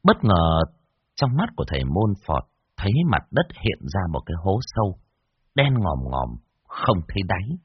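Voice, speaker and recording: A man narrating a ghost story in a lively, dramatic way. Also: sits low, moderate pace, a little hiss or hum. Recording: dull lo-fi dry recording.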